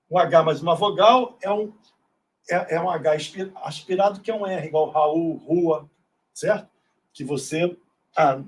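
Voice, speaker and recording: Husky-voiced man lecturing. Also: a little high. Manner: informal, explanatory, with frequent tag questions. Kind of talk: classroom lecture. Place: synagogue auditorium.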